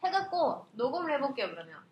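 A woman's voice: sits high, sing-song, fast, slight background noise. A woman co-hosting a casual podcast chat, bashful and giggly, mostly reacting with short agreements. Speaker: podcast co-host.

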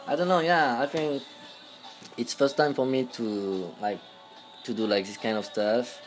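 A man's voice: medium pitch, fairly even intonation, a little slow, soft background music. A young man from France with a French accent, a podcast guest speaking English as a second language, hesitant and searching for words. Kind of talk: casual conversation.

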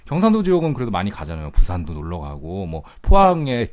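A man's voice: sits low, wildly swooping pitch, a little mellow. A man hosting a casual talk show, joking and teasing his guest. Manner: teasing, jokey, quick. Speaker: host.

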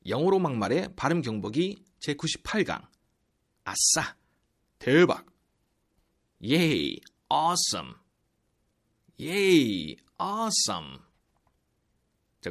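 A man's voice: medium pitch, sing-song, moderate pace, gravelly. A man teaching English pronunciation, drilling words aloud and repeating sounds for contrast. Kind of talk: recorded lesson.

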